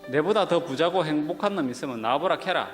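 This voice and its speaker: A man with a Gyeongsang dialect giving a comic, loud and folksy dialect reading of a scripture passage. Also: fairly high pitch, expressive. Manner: loud, rough and folksy, drawn-out delivery. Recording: played recording in a reverberant hall with music behind.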